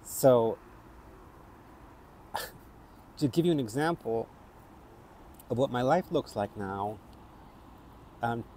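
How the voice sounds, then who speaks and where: Halting North American man reflecting. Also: mid-range voice, animated, mellow, slight background noise. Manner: thoughtful, halting, with frequent restarts. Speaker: actor and theatre maker. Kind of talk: reflective personal vlog.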